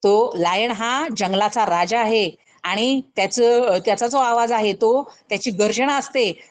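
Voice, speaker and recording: A woman teacher with a Marathi accent leads a scholarship-exam coaching lesson. Her voice sits a little high, and she explains slowly. She often asks the pupils rhetorical questions and imitates animal sounds. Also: poor audio. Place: recorded online lesson.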